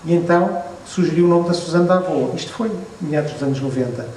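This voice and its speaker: A Portuguese man in his fifties with a European Portuguese accent and a slightly raised pitch shares memories in a meandering, self-deprecating way. He is picked up from across an echoey hall. A faint hiss lies underneath. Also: fast, a little mellow. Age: 50s. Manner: reflective storyteller, hesitant restarts, wry self-deprecating asides. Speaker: photographer and book author at a presentation. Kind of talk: relaxed anecdotal talk to an audience. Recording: echoey room, distant mic, faint noise.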